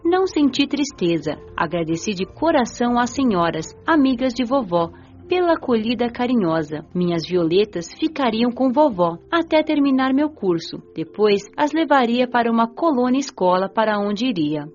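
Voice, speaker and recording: A woman with a Brazilian accent playing a gentle, eager young spirit who narrates her story in an audio drama. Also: fairly high pitch, animated, normal speed, muffled recording, natural voice. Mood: tender, reflective.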